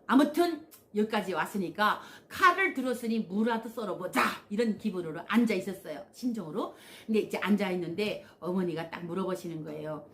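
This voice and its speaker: A woman's voice: mid-range voice, lively intonation, brisk, hardly any pauses, a bit bright, a little hiss or hum. A woman from Korea, telling a personal story on her own channel. She talks animatedly, acts out the voices of people she quotes, and often slips in "yes" and "uh" as fillers. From North Korea. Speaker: channel host.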